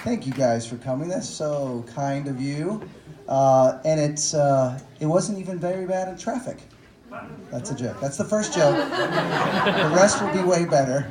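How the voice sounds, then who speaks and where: Speaking at a measured pace with a fairly high pitch, a forty-something author from Texas entertains a bookstore crowd with self-mocking anecdotes, jokes and plenty of fillers. Crowd noise, faint background noise and room echo come through.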